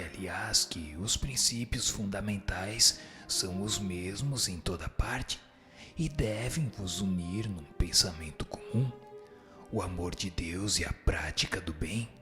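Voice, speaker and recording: Man playing a slow, solemn spirit teacher. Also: on the low side, bright, forceful tone, full character voice. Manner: measured, solemn, instructive. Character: wise, solemn male spirit teacher answering questions. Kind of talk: radio drama reading of spiritist scripture. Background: music behind the voice.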